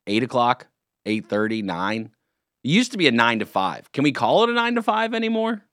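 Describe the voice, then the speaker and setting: A man hosting a morning radio show, chatting in a jokey, rambling, animated way in a studio. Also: mid-range voice, a little fast, dry recording. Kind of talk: casual morning radio banter. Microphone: studio microphone.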